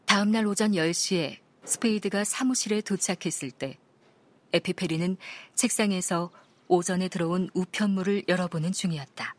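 A woman narrating an audiobook in a calm, even storytelling manner. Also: lowish voice, moderate pace.

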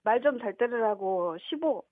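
A woman's voice: on the high side, animated, normal speed, no echo. A woman in her forties with a Jeolla accent, calling in to a radio show, nervous and giggly. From Jeolla, Korea. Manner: nervous, giggly, drifting into standard speech. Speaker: radio caller. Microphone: telephone. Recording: phone-line caller.

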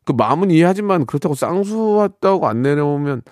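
Middle-aged male radio host, lively up-and-down voice, dry close studio sound, joking, casual chat. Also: on the high side, fast, no echo. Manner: chatty, joking, reacts with mock outrage. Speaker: radio host reading listener messages.

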